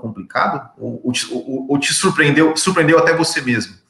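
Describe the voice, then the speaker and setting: A man talks with lively intonation. The background is quiet, with audible room echo. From Paraná, Brazil. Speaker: YouTube interviewer. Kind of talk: interview, casual chat. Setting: recorded interview. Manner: halting, repeats words. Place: home room. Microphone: video call.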